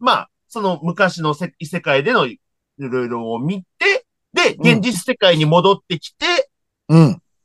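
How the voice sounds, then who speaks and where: In a dry, close sound with no echo, a man speaks at a fairly slow pace with big swings in loudness. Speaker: comedian and podcast co-host. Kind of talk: casual chat.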